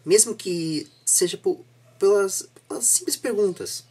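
Husky young Brazilian man, halting and earnest. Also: high-pitched, warm tone. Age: young adult. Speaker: interviewer. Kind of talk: casual reflective interview chat. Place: small home room indoors, seated on a sofa.

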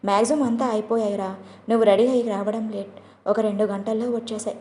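A woman voicing a gentle caring older brother. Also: mid-range voice, fairly even intonation, fast talker, slight background noise, lightly acted. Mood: reassuring. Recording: roomy echo.

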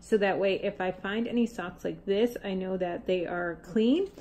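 A faint appliance hum runs through this phone-filmed kitchen vlog, where a young woman chats through her meal prep and baby-talks her cats. She speaks at a normal speed, with a medium-pitched voice of darkish tone.

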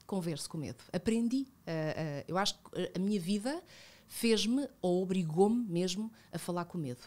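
A woman in her thirties with a European Portuguese accent, talking reflectively as a podcast guest, with many fillers and self-corrections, close on a studio boom mic. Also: lively intonation, normal speed, darkish tone. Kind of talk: casual conversational interview. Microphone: studio boom mic with headphones.

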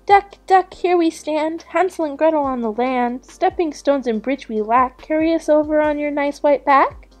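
A gentle little storybook girl, played by a woman, speaks in a raised, high pitch with an earnest, plaintive manner. There is music behind her. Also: moderate pace, hardly any pauses, close to an everyday voice. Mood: hopeful calling.

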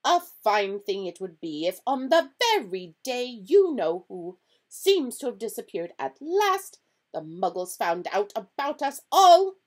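A woman voicing a stern, high-pitched witch professor. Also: very animated, unhurried. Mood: irritable. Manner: clipped, exasperated, emphatic. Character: stern, irritable, severe older witch professor. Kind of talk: storybook character reading.

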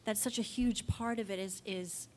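A woman's voice: mid-range voice, fairly even intonation, normal speed, a little mellow. A woman with a mid-range voice speaks into a table mic on a panel. She explains her craft in a thoughtful, advising manner. A faint hiss lingers behind her. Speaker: panel guest, voice actor. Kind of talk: casual panel chat. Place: indoor meeting room at a panel table. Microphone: table mic on stand.

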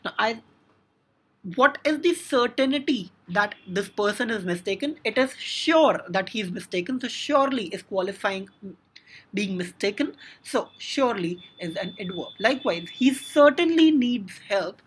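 A woman's voice: mid-range voice, lively intonation, moderate pace, fairly bright tone, breathy edge. A woman with an Indian English accent teaching a grammar lesson, explaining step by step with frequent "now" and "so".

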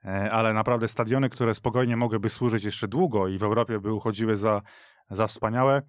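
A man's voice: on the low side, fairly even intonation, fairly quick, dry recording, studio quality. A man giving discursive, thoughtful, unscripted commentary as a panelist in a sports discussion. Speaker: podcast panelist.

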